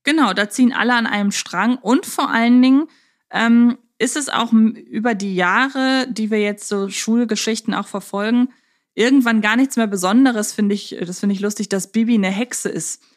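High-voiced woman chatting as podcast co-host. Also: normal speed. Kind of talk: casual podcast discussion.

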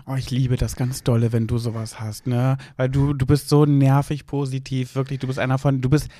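A man's voice: mid-range voice, level tone, a little fast, mellow, dry recording, clean studio sound. A man with a German accent co-hosting a podcast, chatting casually in a cheeky, teasing, mock-dramatic way. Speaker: podcast co-host. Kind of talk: casual chat.

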